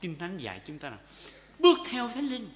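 Male pastor, high and lively pitch, sermon delivery with loud rises and soft asides, roomy church echo. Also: a little fast. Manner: swings between loud impassioned calls and quiet intimate asides; repeats phrases and asks the congregation questions. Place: church sanctuary. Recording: echoey hall with long reverb.

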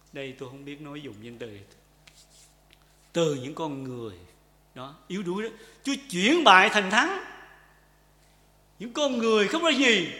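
Fervent, high-voiced preacher in an echoing church. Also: male voice. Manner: swings between loud impassioned calls and quiet intimate asides; repeats phrases and asks the congregation questions. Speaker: pastor. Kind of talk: sermon. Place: church sanctuary. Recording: echoey hall with long reverb.

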